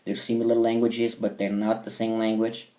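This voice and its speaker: A man's voice: on the low side, completely flat delivery, normal speed, dark tone, distant mic. A man from Portugal with a Portuguese accent, a native Portuguese speaker, talking casually to camera in hesitant English full of fillers and restarts. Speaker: language learner vlogger.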